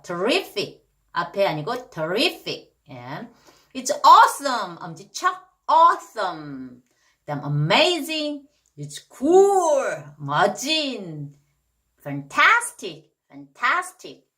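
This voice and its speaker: A woman hosting a casual lesson for parents, moving from quick chatty remarks to slow, drawn-out English example phrases. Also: on the high side, bright, forceful tone.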